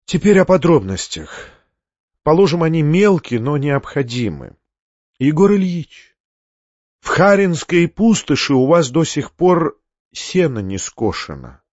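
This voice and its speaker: A man's voice: on the high side, very animated, a little slow, darkish tone, dry recording, muffled recording. A man voicing a pompous, sanctimonious older male tyrant who preaches and shrieks. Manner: preachy, shrieking when enraged.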